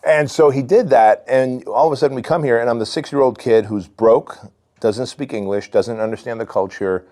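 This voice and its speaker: A man's voice: mid-range voice, normal speed, warm tone. A man in his forties from Armenia, a podcast guest telling his story in a candid, loose way. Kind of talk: casual storytelling.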